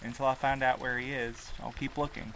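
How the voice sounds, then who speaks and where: A man's voice: medium pitch, flat delivery, a little fast, vocal fry, fairly bright tone, a little hiss or hum, rough recording. Blunt, anxious young man played by an actor. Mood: somber, guarded. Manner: blunt, snappy. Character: sardonic, anxious young married man, loyal. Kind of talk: audio drama acting.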